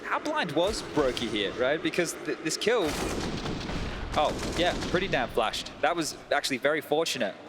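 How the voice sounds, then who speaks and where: A man's voice: fairly high pitch, sing-song, normal speed. A man working as an esports caster, giving live match commentary and analysis in a conversational, reactive way. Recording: noisy game audio behind voice. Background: game sounds.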